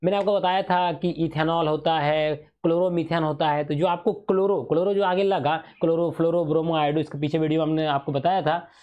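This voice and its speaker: A man's voice: on the high side, steady tone, a little fast, few pauses, a little mellow, muffled recording. A male teacher giving an exam revision lesson in speech, who keeps asking questions and answering them himself, repeating the key terms.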